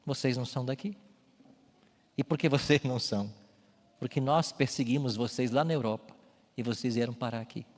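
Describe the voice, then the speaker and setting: A man preaching a sermon as a pastor in a church, speaking emphatically and building to loud calls. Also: mid-range voice. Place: church with baptismal tank. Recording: long hall reverb, faint music.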